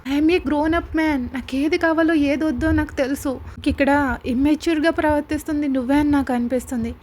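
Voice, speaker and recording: A woman reading the part of a firm, calm young male lawyer in an audio story, with an earnest, measured delivery. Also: high voice, a little hiss or hum, natural voice.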